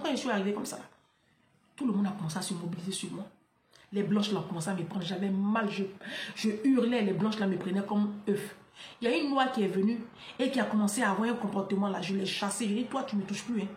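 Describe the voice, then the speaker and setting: A woman's voice: mid-range voice, quick pace, echoey room, a little hiss or hum. A woman, delivering a fiery, scolding monologue to camera. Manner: fiery, scolding, repeats "là" and "hein". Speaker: online commentator.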